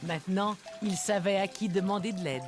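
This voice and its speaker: A woman giving scripted, gentle storybook-style narration for a children's cartoon, with music behind her. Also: mid-range voice, normal speed, lightly acted. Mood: gentle storytelling.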